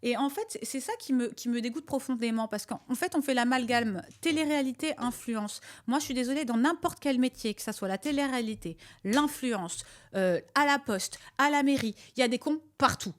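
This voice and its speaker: A podcast host and video content creator speaks in a fairly high voice, fairly quickly. Her podcast is casual and opinionated, and she talks emphatically, repeating herself to hammer points home.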